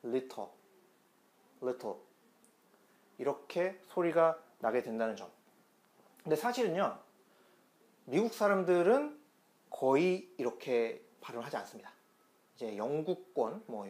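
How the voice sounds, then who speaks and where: A man's voice: medium pitch, sing-song, normal speed, darkish tone. A man giving an online pronunciation lesson, explaining step by step and repeating demonstration sounds in a chatty teaching tone.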